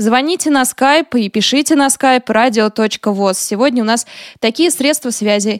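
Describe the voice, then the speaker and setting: This woman has an unremarkable speaking voice, fairly high in pitch with ordinary variation, delivered at a fairly slow pace in a dry, close sound with no echo. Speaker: radio host. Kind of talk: radio interview, live call-in show.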